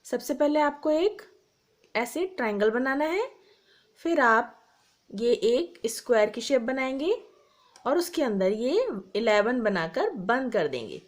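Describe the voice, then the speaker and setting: A woman teacher giving a slow, patient primary school Hindi lesson, spelling words out letter by letter. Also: fairly high pitch, sing-song.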